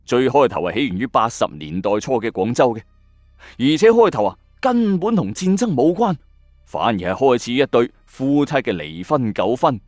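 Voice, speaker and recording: Animated Hong Kong Cantonese male storyteller. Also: mid-range voice, normal speed, no room sound, studio quality. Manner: suspenseful, colloquial, exclamatory asides. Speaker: host of a ghost story audio channel. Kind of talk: dramatic late-night storytelling narration. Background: background music.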